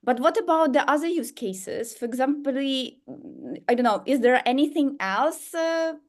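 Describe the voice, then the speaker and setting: Woman hosting a webinar call, bit high voice, asks loose questions. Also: lively intonation, a little slow. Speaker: host. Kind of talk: webinar moderating.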